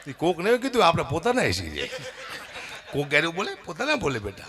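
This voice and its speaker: A middle-aged man, performing a stage comedy monologue full of laughter and loud outbursts. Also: fairly high pitch, fast, crowd noise. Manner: lively storytelling with laughter, loud bursts for quoted voices. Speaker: folk comedian performing at a dayro.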